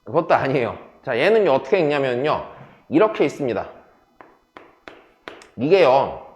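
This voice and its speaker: A man's voice: mid-range voice, very animated, moderate pace, darkish tone, roomy sound, lo-fi sound. A man teaching a math class, switching between casual and polite speech and often checking whether students follow. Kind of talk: classroom lecture.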